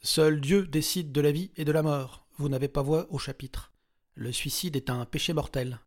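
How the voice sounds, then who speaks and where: A man voicing a disembodied, dogmatic authority that speaks slowly and solemnly. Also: a little high, natural voice. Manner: slow, flat, solemn.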